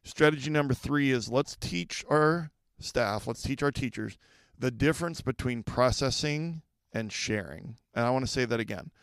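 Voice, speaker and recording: A man's voice: mid-range voice, normal speed, a bit bright, clear, resonant tone, no echo. A middle-aged man hosting a podcast for school leaders, talking conversationally, repeating key points and checking in with listeners. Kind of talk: solo podcast advice talk.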